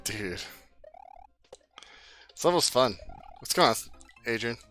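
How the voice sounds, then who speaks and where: Tired, lisping male streamer with a bright voice. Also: medium pitch, takes it slowly, soft background music. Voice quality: slight lisp. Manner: excitable, swears casually, talks to chat. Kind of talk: casual gameplay commentary.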